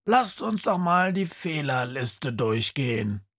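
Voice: mid-range voice, very animated, takes it slowly, fairly bright tone, voice pushed up, full character voice. A narrator voicing an invisible, headless professor creature in a trench coat, lecturing a class a bit hesitantly in an audiobook. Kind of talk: audiobook character voice.

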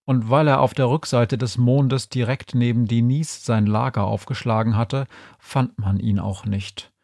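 A man reading a humorous story aloud with a lively, dry-humored delivery. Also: medium pitch, measured pace, vocal fry, dry recording.

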